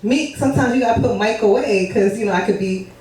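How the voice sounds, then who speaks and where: A woman with a New York accent co-hosting a casual talk show, loud and laughing, often talking over the others. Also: mid-range voice, quick pace, heavy reverb, far from the mic, poor audio. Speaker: co-host. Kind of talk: casual studio banter. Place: studio.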